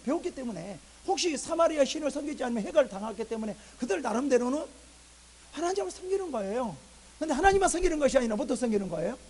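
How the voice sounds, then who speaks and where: High-voiced preaching Korean pastor. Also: male voice, creaky, darkish tone, slight background noise, rough recording. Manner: emphatic preaching, repeated rhetorical questions; voices God and complaining believers in raised tones. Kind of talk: sermon.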